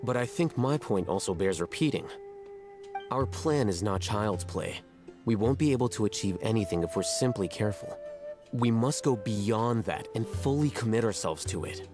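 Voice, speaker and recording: Man voicing a low, arrogant young fantasy scholar. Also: lively intonation, over music, natural voice. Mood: stern. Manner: measured, formal, condescending. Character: arrogant, cool-headed male scholar in a fantasy game. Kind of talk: scripted video game dialogue.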